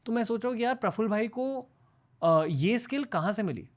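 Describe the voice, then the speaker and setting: Guy hosting a podcast, bit high voice, chill curious questions, hindi and english mixed. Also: animated, a little fast. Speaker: podcast host. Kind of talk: casual interview questions.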